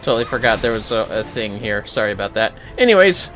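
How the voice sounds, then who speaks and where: A man's voice: on the low side, sing-song, fast, fairly bright tone. A man casually chatting to viewers on a gaming livestream, rambling and swearing as he talks to himself. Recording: music playing behind the voice. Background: clear music.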